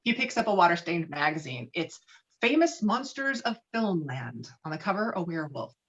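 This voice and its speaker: A woman's voice: lowish voice, big pitch swings, moderate pace, a bit bright. A woman reading screenplay stage directions dramatically as narrator of a table read, over a video call. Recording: dull lo-fi video call sound.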